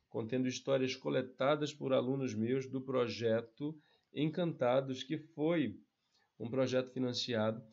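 A man's voice: mid-range voice, creaky, lo-fi sound. A man in his forties from Pará, Brazil, casually presenting his books to camera from a home study, with frequent tag questions. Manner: chatty, frequent tag questions, warm asides. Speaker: author and literature researcher. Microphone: small desk mic in front.

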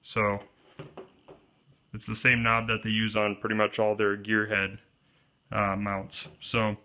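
Bright-voiced man explaining a DIY build. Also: lowish voice, a little hiss or hum. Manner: plainspoken, pointing out parts step by step. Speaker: DIY kayak gear presenter. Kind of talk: hands-on how-to walkthrough. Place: indoors at a wooden table. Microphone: off-camera voice over overhead shot of hands.

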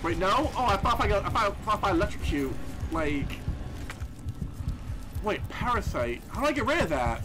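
Excitable man with a lisp. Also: high-pitched, moderate pace, pauses often, music in the background. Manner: swearing, excitable, rambling with many restarts. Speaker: gameplay commentator. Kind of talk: let's play commentary.

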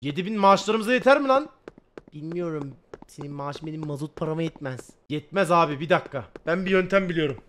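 A man streaming a game, chatting casually with his viewers, excitable and swearing, breaking into loud shouts. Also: a little high, a little fast, slight background noise. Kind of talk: casual gameplay commentary with chat.

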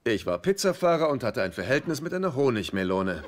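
A man's voice: mid-range voice, very animated, brisk, close to an everyday voice. Guy doing sheepish whiny moocher in a sitcom dub, super up and down, really noisy audio. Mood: smug. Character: hapless, self-deluding middle-aged male freeloader, sheepish and petty. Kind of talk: German-dubbed sitcom dialogue. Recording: very noisy dubbed TV soundtrack, laugh track.

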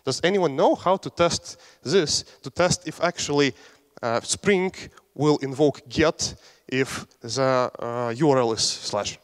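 A man's voice: mid-range voice, takes it slowly. A young man from Latvia giving a casual, joking technical talk on a conference stage, with fillers and restarts. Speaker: conference speaker. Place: large conference hall on stage. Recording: hall reverb.

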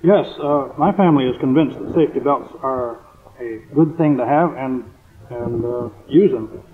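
An American man giving measured, formal explanations as an expert guest in a 1950s radio interview. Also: mid-range voice. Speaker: military surgeon guest. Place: convention hall radio interview. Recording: noisy, clicking, phone-like 1950s radio recording.

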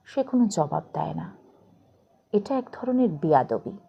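A woman narrates literary fiction in a fairly high, soft-toned voice. Her pitch moves expressively across each phrase. She takes her time, reading slowly like an audiobook storyteller.

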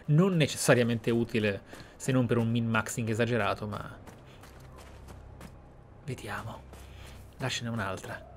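Male gamer, mid-pitched, narrates in character, pensive and dramatic with murmured asides, noisy game background. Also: unhurried, pauses often. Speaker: video game player and narrator. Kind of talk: roleplay let's play commentary, in-character musing and reading aloud. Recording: clear background noise, game ambience. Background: video game ambience.

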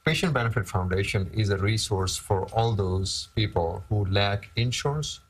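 A man's voice: on the low side, moderate pace, breathy edge. A middle-aged man, a guest on a studio TV show, explaining plainly with some fillers. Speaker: guest, charity founder. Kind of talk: live TV interview. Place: TV studio set. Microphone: lapel mic.

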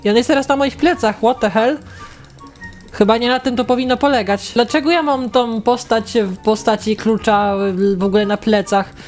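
Young female gaming host, high-ish voice, excitable swearing commentary, soft music underneath. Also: normal speed. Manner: excitable, swears at the game, talks to viewers. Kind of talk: casual gameplay commentary.

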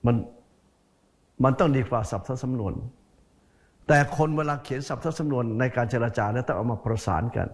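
Here a male Buddhist monk's folksy sermon comes in a mid-range, slightly mellow voice, a little fast and often pausing. He talks directly to listeners, addressing them as "sir," and repeats words for emphasis.

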